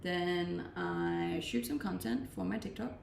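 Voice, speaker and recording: A young woman from Denmark, a native Danish speaker, chats casually on a live stream, reading questions aloud and answering them. Her voice has a gravelly edge. She sits a little back from the mic in a roomy space with faint background noise. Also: fairly low pitch, unhurried, recorded from a distance. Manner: relaxed, reads questions aloud then answers. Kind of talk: casual chat.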